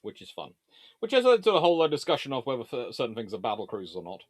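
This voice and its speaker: A man's voice: medium pitch, huge pitch swings, rapid-fire, no echo, studio quality. A man hosting an informal history Q&A, talking in a discursive, emphatic way as he reasons through debates. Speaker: naval history video host. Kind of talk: informal explainer and viewer Q&A.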